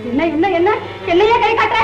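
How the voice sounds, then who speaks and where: A fussy housewife in an old comic film, wailing dramatically in a very high, lively voice. Clear music plays under this 1960s soundtrack. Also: female voice, brisk, reverberant, muffled recording. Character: fussy housewife lamenting lost silver tumblers.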